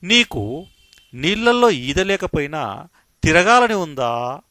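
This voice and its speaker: A man's voice: on the high side, big pitch swings, slow, pushed and bright, no room sound, pitched above the performer's own voice, heavily acted. A man voicing a young, curious and kind female duckling in a raised, sing-song storyteller voice. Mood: eager.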